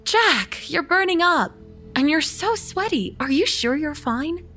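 An actress playing a caring, concerned wife who speaks gently and soothingly to her husband. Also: high voice, expressive, measured pace, faint music behind, full character voice. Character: caring young wife named Mary.

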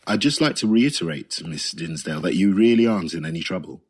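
An actor playing a polite, calmly insistent male intelligence agent, a weighty, resonant voice and a measured, reassuring delivery. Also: low voice. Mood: polite, firm. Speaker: MI5 agent. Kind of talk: audio drama acting.

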